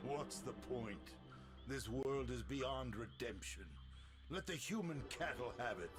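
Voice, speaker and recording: A man's voice: medium pitch, animated, takes it slowly, music in the background. An actor playing an ancient, world-weary and haughty male vampire in a video game, sardonic, bitter and theatrical. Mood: bitter, cynical. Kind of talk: video game cutscene acting.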